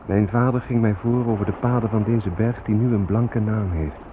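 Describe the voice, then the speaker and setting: A man's voice: fairly low pitch, steady tone, moderate pace, natural voice. A man in a radio drama playing a proud, bitter Native American with solemn, declamatory delivery. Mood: elegiac. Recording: noisy narrowband old radio recording.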